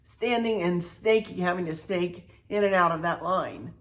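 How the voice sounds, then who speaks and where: A woman's voice: lowish voice, moderate pace, a bit bright. Chatty woman telling a travel story. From Virginia, USA. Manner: chatty, repeats phrases, folksy asides. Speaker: travel vlogger. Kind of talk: casual storytelling to viewers.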